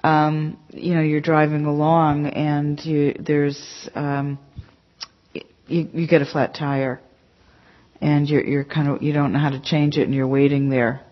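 A low-voiced woman teaches a meditation class in a chatty, emphatic way, scattering "you know" through her points. The recording is dull and lo-fi, with the top end muffled. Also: little pitch movement, measured pace. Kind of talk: conversational dharma talk to a class. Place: meditation center hall.

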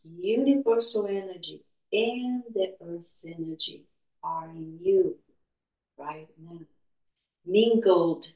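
A woman teaching guided meditation and gentle movement in a soothing, unhurried, spiritual healer-like manner. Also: on the low side. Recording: echoey room, distant from mic.

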